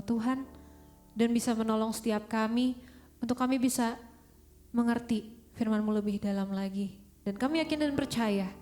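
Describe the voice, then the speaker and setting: Mellow woman praying over soft music. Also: mid-range voice. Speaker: worship leader. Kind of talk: earnest congregational prayer. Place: church service. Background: musical instrument playing.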